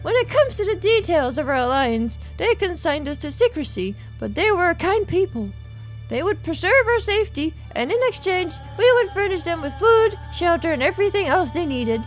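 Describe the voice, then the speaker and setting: A woman voicing a courteous, gentle lady healer in a fantasy game, speaking in a polite, formal, measured way. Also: extremely high pitch, sing-song, faint music behind. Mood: solemn.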